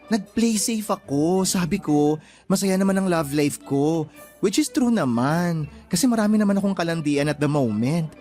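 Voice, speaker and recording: A flamboyant young gay man as a male actor plays him in a radio drama, speaking in a sassy, gossipy, campy way. He leans on slangy phrasing like a friend spilling a secret, with soft music underneath. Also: a little high, expressive, moderate pace, close to an everyday voice. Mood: defensive, campy. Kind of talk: radio drama dialogue, colloquial Tagalog with English slang.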